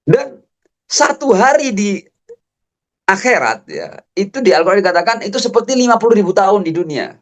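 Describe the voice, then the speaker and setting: A man giving a public religious lecture. He quotes Arabic verses slowly, then explains them, swinging between high emphatic peaks and low, slow explanations. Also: big pitch swings. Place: lecture hall.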